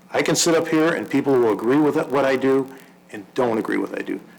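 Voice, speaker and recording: A man with an American accent talks at a fairly quick pace and medium pitch with ordinary pitch variation, over noticeable background noise. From Michigan, Macomb County. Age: 60s. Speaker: township board member. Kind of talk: public meeting remarks. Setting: township board meeting.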